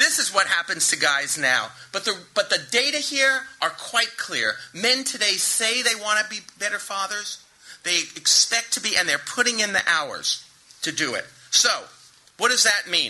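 Amid noticeable background noise, a high-pitched man with a New York accent projects his raised voice with lively intonation at a fairly slow pace. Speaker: professor giving a lecture. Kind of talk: public lecture. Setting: stage.

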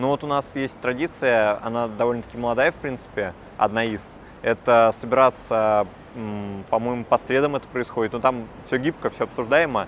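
At a moderate pace and with fairly even intonation, a man speaks in a dry sound with no echo and light background noise. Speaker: junior lawyer. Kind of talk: interview. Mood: calm, friendly. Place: street. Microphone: lapel.

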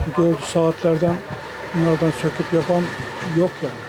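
Background noise is noticeable as the talking moves along at a moderate tempo. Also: man. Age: 70s. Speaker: watch repairman. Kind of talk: interview answer.

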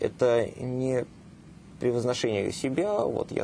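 A man's speech carries a faint layer of background noise. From Russia. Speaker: youth leader and educator; educator. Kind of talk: studio interview. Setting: TV studio. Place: studio. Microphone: lapel.

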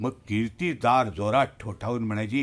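The recording of this man is very clean, its background silent. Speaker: memoir storyteller. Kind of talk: personal storytelling.

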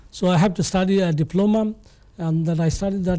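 A man's dark, mellow tone at a fairly quick pace, with fairly even intonation. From Bangladesh, Sylhet region (Sunamganj). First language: Bengali (Sylheti). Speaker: business intelligence consultant. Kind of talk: TV interview. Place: studio. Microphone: lapel.

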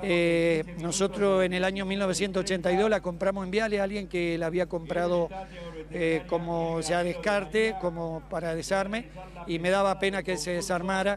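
A man talks at a fairly slow pace with a high pitch and flat, monotone intonation. The sound is dry with no echo, though noticeable background noise is present. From Argentina, Paraná (Entre Ríos); Entre Ríos, Argentina. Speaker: agricultural machinery businessman. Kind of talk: interview. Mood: proud, grateful. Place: open country. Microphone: handheld.

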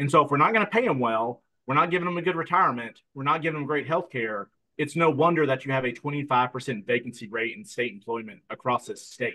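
Against a quiet background, a man with an American accent speaks at a fairly quick pace. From rural northwest North Carolina. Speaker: state legislator, economist, candidate. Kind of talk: political forum answers. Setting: video call. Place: home room. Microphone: video call.

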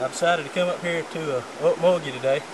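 A man speaks in a dry recording with no echo, and noticeable background noise is present. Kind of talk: casual hunting story vlog. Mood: excited, amazed. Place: forest.

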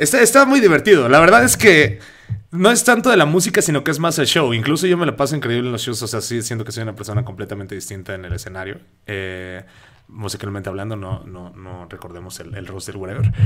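A man talks at a very fast pace in a bright, sharp tone, his medium pitch leaping through very wide swings while his loudness rises and falls sharply. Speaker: musician. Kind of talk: casual chat. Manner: swallows words.

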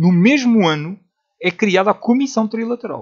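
A man is speaking. His pace is fairly slow. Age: 40s. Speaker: political commentary youtuber. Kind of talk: live stream monologue. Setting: live stream from phone.

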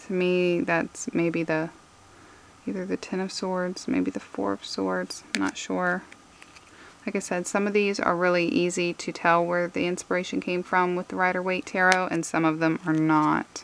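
A woman's plain, everyday voice, fairly low in pitch, with fairly even intonation at a moderate pace, dry sound with no echo and light background noise. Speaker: tarot reader reviewing a deck. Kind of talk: casual review chat. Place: home room.

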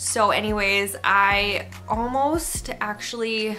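A woman speaks with fairly even intonation over faint background music. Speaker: hiking vlogger. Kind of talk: casual vlog chat. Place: home room.

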